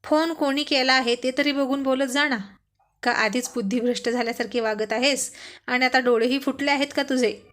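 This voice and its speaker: A woman's voice: high-pitched, fairly even intonation, normal speed, fairly bright tone. A woman reading the lines of a stern father scolding his daughter on the phone, in a story reading. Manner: harsh, sarcastic.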